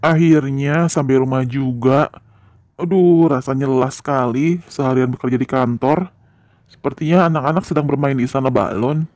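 A man voicing a tired office-worker father who scolds his children calmly, in an amateur game-animation drama. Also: mid-range voice, normal speed, no room sound, clean studio sound, natural voice. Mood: weary.

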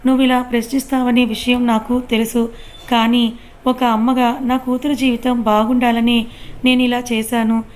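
A woman voicing a gentle, guilt-ridden older mother-in-law in a read-aloud story, soothing and coaxing. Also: on the high side, little pitch movement, normal speed, lightly acted.

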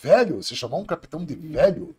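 Middle-aged police officer guest, blunt and profane, animated high-ish delivery. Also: male voice, fast talker, a loud crowd. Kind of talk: casual podcast storytelling.

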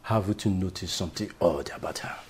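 A man's voice: sits low, quick pace, heavy background noise, close to an everyday voice. An actor playing a scornful, mocking brother-in-law who openly accuses a woman. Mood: accusing. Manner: taunting, accusing.

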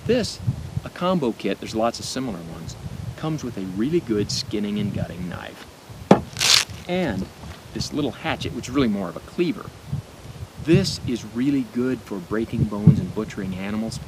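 A middle-aged American man with a speech impediment, giving an informal gear demonstration with deliberate pauses. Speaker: knife and gear reviewer. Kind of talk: informal product demonstration to camera. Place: outdoors at a picnic table in woods. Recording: outdoor noise with low rumble.

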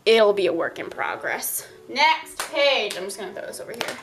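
A young adult woman who makes art videos on YouTube gives a casual sketchbook tour with a stuffy nose, rambling into asides and poking fun at herself. Her mid-range voice is very animated at a moderate pace, heard over music.

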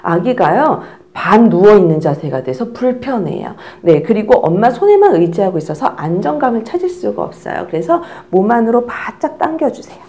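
A middle-aged woman teaching parents how to soothe a crying baby, demonstrating as she talks and sometimes dropping to a soft whisper. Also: medium pitch, normal speed, hardly any pauses. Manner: animated, demonstrating with an instructor's cues; drops to a soft whisper while the baby settles. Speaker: baby care instructor. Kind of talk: instructional demonstration.

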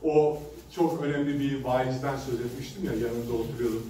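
A man's voice: mid-range voice, steady tone, brisk, warm tone. A male pastor giving a sermon at a pulpit microphone, telling stories in a conversational way with hesitant fillers. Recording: echoey hall from a distance with background noise.

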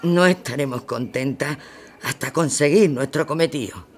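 A woman's voice: low voice, normal speed, natural voice. A woman playing a firm, determined 1910s protest leader in an audio drama. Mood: resolute. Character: resolute woman leading a 1918 workers' protest.

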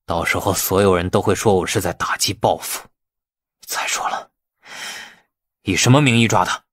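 A man's voice: sits low, normal speed, fairly bright tone, husky, no echo, studio quality. A man voicing an irascible, calculating police chief in an audiobook, blustering and commanding. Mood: brooding.

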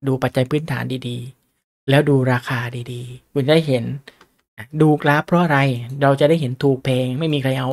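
A man hosting a casual livestream on stock analysis, talking chattily and often asking his viewers rhetorical questions. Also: mid-range voice. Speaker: stock market livestream host.

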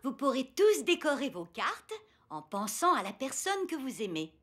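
A woman's voice: high voice, very animated, moderate pace, husky, heavily acted. A woman voicing a kind, encouraging daycare teacher talking to small children in a cartoon.

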